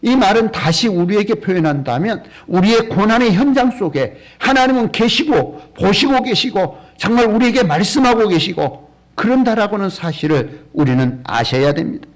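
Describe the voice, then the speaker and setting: A man's voice: high-pitched, expressive, moderate pace. A man preaching a sermon as a pastor in a church, earnest and full of rhetorical questions.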